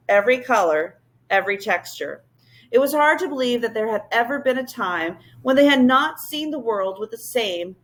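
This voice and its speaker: A woman teacher reading a novel aloud to her class. Her storytelling is expressive, with a lively pitch that swings widely, sitting a little high. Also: rough recording.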